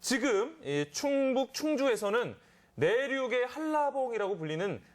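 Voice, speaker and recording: A man's voice: very high-pitched, big pitch swings, a little slow. A man co-hosting a live TV studio show, friendly and affirming with short replies. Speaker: TV show co-host.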